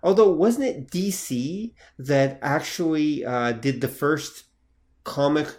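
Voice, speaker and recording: A man's voice: on the high side, slow pace, darkish tone. A man co-hosting a podcast in casual chat, listening closely and reading out facts, hesitating with fillers as he checks them. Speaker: podcast co-host.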